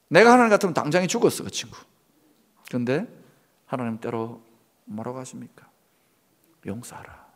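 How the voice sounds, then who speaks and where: A middle-aged pastor preaching a sermon, acting out prayers in loud pleading bursts and dropping to a near whisper. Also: male voice, medium pitch. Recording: long hall reverb.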